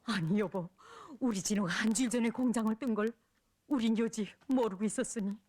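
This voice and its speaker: A fretful middle-aged North Korean mother played by an actress exclaims through film dialogue. Her voice is medium in pitch and husky, with a North Korean accent and a dry, close sound. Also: a little fast, darkish tone, no echo, natural voice. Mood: anxious, upset. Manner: fretting, exclamatory.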